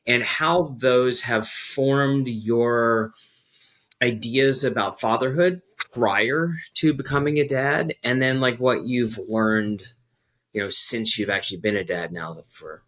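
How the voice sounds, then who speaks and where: A man's voice: mid-range voice, slow, a bit bright. A man hosting a podcast, asking loosely phrased, encouraging interview questions. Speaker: podcast host. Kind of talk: casual interview.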